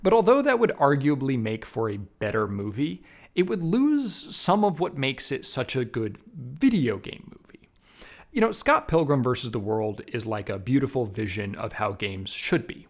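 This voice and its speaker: A man narrating a scripted film review in an emphatic, wry way with casual asides. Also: mid-range voice. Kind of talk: scripted video essay narration.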